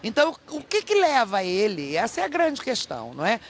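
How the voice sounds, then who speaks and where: A woman's voice: on the high side, huge pitch swings, fairly quick. A middle-aged Brazilian woman, an academic guest giving emphatic, explanatory interview answers in Portuguese with rhetorical check-ins. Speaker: academic guest, professor and author. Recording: clear ambient background noise.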